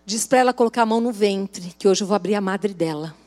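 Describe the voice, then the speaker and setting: A woman's voice: medium pitch, fast, a little mellow. A woman pastor preaching at a women's church service, telling a story in a chatty way and asking the congregation questions. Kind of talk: sermon.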